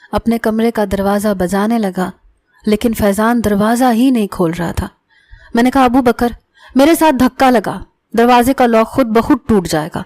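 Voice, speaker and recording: A woman narrating an emotional family story in the first person, in a steady, earnest storyteller manner. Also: mid-range voice, no room sound.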